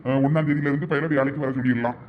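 A man's voice: mid-range voice, steady tone, racing, narrow, tinny audio, slight background noise. A man with a Thoothukudi Tamil accent acting in a village comedy drama, talking in a friendly, persuasive way. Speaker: villager asking a shopkeeper for a job for a youth.

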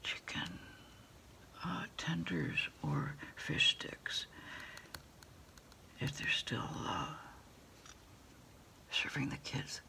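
A middle-aged woman doing a quiet ASMR roleplay as an order taker on the phone, speaking in halting, unhurried whispers. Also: rumbling low, very animated, vocal fry. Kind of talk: ASMR roleplay, one side of a phone call. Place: small dim desk space indoors.

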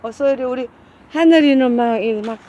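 A middle-aged woman who cares for cats and hosts a channel talks casually while feeding them outdoors on a hillside, calling them over and over in a coaxing, affectionate way. Her voice is high and warm at normal speed. The recording has its highs cut off and slight background noise.

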